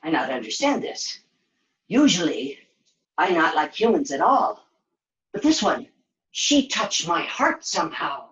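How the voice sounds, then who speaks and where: A woman voicing a gruff, soft-hearted puppet creature who is wary of humans and talks in broken, clipped grammar. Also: lowish voice, very animated, unhurried, long pauses, roomy sound, highs cut off, voice pushed down. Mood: puzzled, protective. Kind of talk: puppet show character acting.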